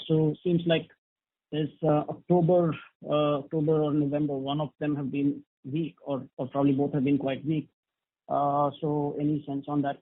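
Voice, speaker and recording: A man speaking as an analyst, politely and haltingly putting questions on an earnings call. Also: fairly high pitch, creaky. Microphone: phone conference call. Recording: muffled, narrow phone line.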